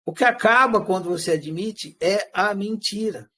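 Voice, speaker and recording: Guy teaching a class, kinda high voice, lively, keeps asking then answering his own questions. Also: moderate pace. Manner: animated, switches into acted quotes of everyday speech; rhetorical questions answered himself. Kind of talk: live class lecture with questions to students.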